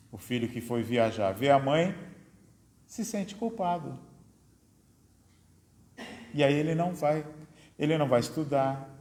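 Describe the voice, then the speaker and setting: A lecturer at a spiritist study center, a man with a medium-pitched, slightly mellow voice and a Brazilian Portuguese accent, speaks conversationally to an audience. He tags his sentences with little questions and poses rhetorical ones. The hall is echoey with long reverb.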